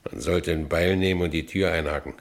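An actor playing a bitter, self-pitying working-class ex-convict in a radio play, colloquial and with a Berlin accent. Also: male voice, deep voice, fairly even intonation, brisk, creaky. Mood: indignant, bitter. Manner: colloquial, brooding. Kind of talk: first-person radio play narration.

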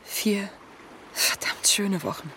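A woman playing a grieving, wry woman in her thirties in a radio play, speaking plainly and haltingly. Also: medium pitch, pushed and bright, in a whisper. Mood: grieving, subdued. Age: 30s. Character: grieving, wry 32-year-old woman adrift at sea. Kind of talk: naturalistic radio play dialogue. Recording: clear watery background noise, boat-like ambience. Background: lapping water and sea ambience.

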